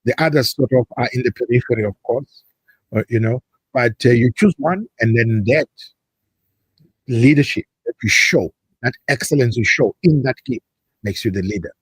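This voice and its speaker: South African male guest, husky timbre, dry close mic, holds forth with oratorical flair. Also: mid-range voice, normal speed, dry recording, poor audio. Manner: expansive, speechifying. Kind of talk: talk-radio interview.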